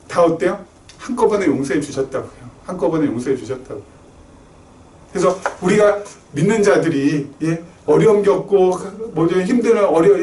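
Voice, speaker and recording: A middle-aged man preaching in a fairly high voice, keeping the congregation engaged with one rhetorical question after another. The sound is echoey, as in a church sanctuary, and he seems to stand back from the mic. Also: darkish tone. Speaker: pastor. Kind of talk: sermon. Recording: roomy church echo, slightly distant.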